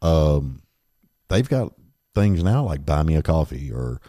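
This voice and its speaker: A middle-aged man with a very deep voice hosting a podcast, chatting in a rambling, laid-back way. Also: sing-song, slow, dark tone, no room sound, clean studio sound. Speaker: podcast host. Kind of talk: casual chat.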